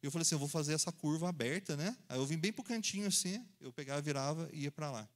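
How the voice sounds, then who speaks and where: A man, preaching in an animated storytelling style, acting out voices and sounds and laughing along as he goes. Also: a little high, quick pace. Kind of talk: storytelling sermon.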